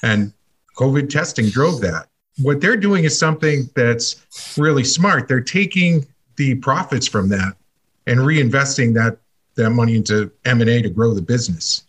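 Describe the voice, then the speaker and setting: Male guest analyst, mid pitch, husky, measured explanatory delivery. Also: animated. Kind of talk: measured expert commentary.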